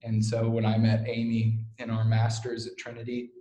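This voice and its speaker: A man's voice: medium pitch, monotone, moderate pace, dark tone, muffled recording. A young man from Kansas with a Midwestern American accent, speaking as an interview guest in a hesitant way with many fillers. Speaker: guest, co-founder. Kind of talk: casual interview talk. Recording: roomy echo.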